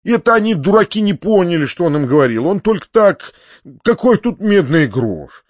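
A man voicing a kindly, flustered older landowner who talks quickly and pleadingly in an audiobook. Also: sits high, expressive, no room sound, dull audio, pitched above the performer's own voice. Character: fussy, kindly older male landowner uncle. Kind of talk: audiobook character reading.

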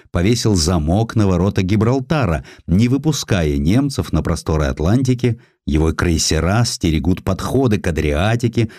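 A man reading historical prose as a dramatic audiobook narrator, with expressive, theatrical storytelling. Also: deep voice, dry recording, clean studio sound.

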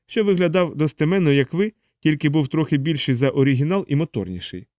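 A fussy alien helper lectures in a raised, lively voice, piling up explanations in an audiobook reading, as a male narrator puts him on. The sound is close and dry, with no room around it. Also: a little high, quick pace, no echo, pitched above the performer's own voice, lightly acted. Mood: urgent. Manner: didactic, explaining at length. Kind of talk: audiobook character voice.

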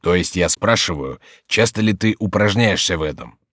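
A man voicing a loud, capricious and whiny king in an audiobook. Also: low voice, lively intonation, moderate pace, dry recording, studio quality. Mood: bantering. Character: petulant capricious adult male king. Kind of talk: audiobook character voice.

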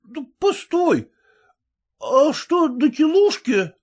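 A man's voice: very high-pitched, huge pitch swings, slow pace, a little mellow, voice pushed up, heavily acted. A man voicing a drowsy, hungover young peasant who drawls lazily and yawns between words. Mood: reading haltingly.

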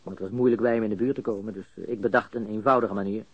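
A man's voice: lowish voice, steady tone, rapid-fire, breathy edge, no echo, narrow, tinny audio. A cocky, nervy criminal in a radio crime drama, with a dry, close sound. He stammers, repeats himself and swears while confessing to his interrogator. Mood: confiding. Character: cocky, jittery male criminal suspect confessing under questioning.

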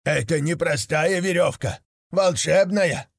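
A man's voice: fairly high pitch, measured pace, creaky, no echo, pitched above the performer's own voice. A man voicing a group of frightened forest devils who plead fearfully.

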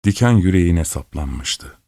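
A man reads a fairy tale aloud in a measured, expressive way. His voice sits very low, and the recording is dry and close, with no room sound. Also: vocal fry, no room sound. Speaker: storyteller. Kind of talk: storybook narration.

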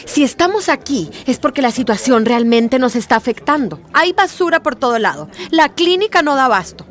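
A woman's voice: high voice, very animated, moderate pace. An actress playing a worried, complaining townswoman in a radio drama.

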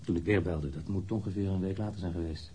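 An actor playing a defensive, wounded lover under police questioning in a radio drama, speaking bluntly and candidly. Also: male voice, low voice, steady tone, fast, dark tone, slight background noise, close to an everyday voice. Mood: matter-of-fact.

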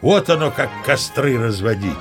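Man playing a seasoned sea captain, audio play storyteller, boastful, unflappable, chatty, medium pitch, music behind. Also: animated, moderate pace, close to an everyday voice. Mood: animated, boastful. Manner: chatty, folksy, self-assured, emphatic. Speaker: narrator. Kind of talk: theatrical first-person storytelling, audio play.

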